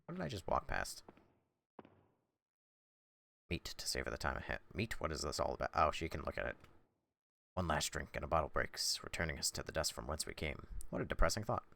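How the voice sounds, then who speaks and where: Deep, monotone male streamer. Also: brisk, vocal fry, pauses often. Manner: monotone, dry, blunt, swears casually. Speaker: gameplay streamer. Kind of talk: casual gameplay commentary, answering chat.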